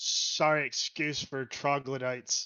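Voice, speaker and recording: Using a put-on character voice, a man sounds gruff at a fairly high pitch. He speaks at a fairly slow pace. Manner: angry.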